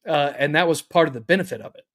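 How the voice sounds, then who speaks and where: A man co-hosting a casual sports podcast, talking in a measured, agreeable way. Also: a little high, a bit bright. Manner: measured, agreeable, many "uh" fillers.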